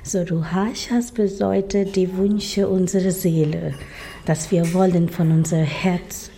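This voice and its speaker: A woman's voice: fairly low pitch, fairly even intonation, unhurried, creaky, warm tone, a little hiss or hum. Woman speaking careful non-native German. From India. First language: Bengali. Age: 30s. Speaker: interviewee, artist.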